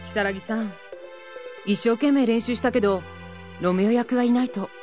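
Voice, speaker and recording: A woman's voice: a little high, normal speed, a little mellow, soft background music, natural voice. A woman playing a serious, doubtful drama club senior in an anime audio drama, firm and resigned.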